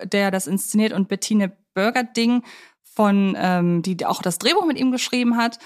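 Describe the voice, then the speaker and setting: A woman with a mid-range voice co-hosts a film podcast. She speaks casually and colloquially, sounding like a keen fan sharing opinions. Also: medium pitch. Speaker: podcast co-host.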